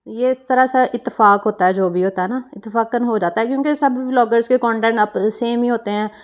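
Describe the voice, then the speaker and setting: A woman's voice: a little high, steady tone, brisk. A young woman from Pakistan, narrating her cooking vlog in a chatty, meandering way full of fillers and self-corrections. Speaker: cooking vlogger.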